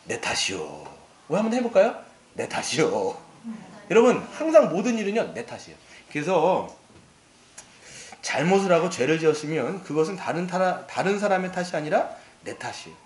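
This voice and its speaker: A middle-aged male pastor preaching a sermon in an animated way, acting out quoted lines and asking the congregation questions. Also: high-pitched, fairly quick. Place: church sanctuary. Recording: echoey church hall.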